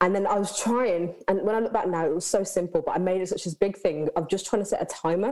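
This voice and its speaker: A woman with a Birmingham accent talks at a very fast pace. Her voice sits at a medium pitch. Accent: Birmingham (Brummie). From Birmingham, England. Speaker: youth pastor. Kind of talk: panel discussion.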